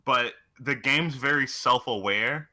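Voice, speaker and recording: A man's voice: medium pitch, takes it slowly, sharp tone. A man chatting casually as co-host of a video game show, swearing freely as he goes. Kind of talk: casual chat.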